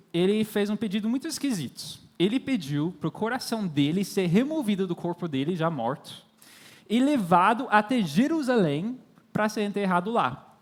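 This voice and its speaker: Raised in France by Irish parents and not a native speaker of Portuguese, this high-voiced young man serves as a guest preacher and missionary. He delivers a sermon with storytelling to a congregation in a large church hall, and the recording echoes with long reverb.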